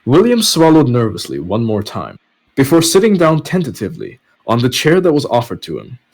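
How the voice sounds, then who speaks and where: Male podcast narrator for web fiction, mid-pitched with lively, swinging intonation. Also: fairly quick, low-quality recording. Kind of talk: story narration with casual asides.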